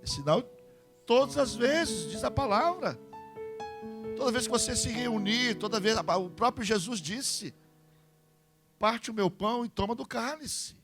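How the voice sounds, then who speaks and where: A Brazilian man preaches to his congregation in a high, lively voice that leaps around, acting out little exchanges between church members. A guitar plays clearly behind him throughout the service. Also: a little slow, long pauses. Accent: Brazilian Portuguese. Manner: tags lines with questioning "hã?". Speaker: pastor. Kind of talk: sermon. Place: church service with live music. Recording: church sermon over guitar music.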